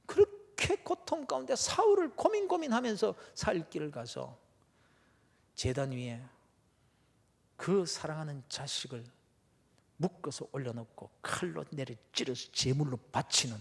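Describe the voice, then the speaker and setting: A pastor preaching a revival sermon in a church, telling the story dramatically with rhetorical questions. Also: male voice, a little high, sing-song, measured pace, gravelly, slightly rough.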